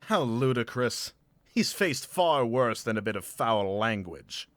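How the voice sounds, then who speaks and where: A man's voice: mid-range voice, very animated, a little slow, no echo. An actor playing a blunt, hot-headed but good-hearted swordsman in a visual novel, brusque in manner. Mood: irritated, scornful.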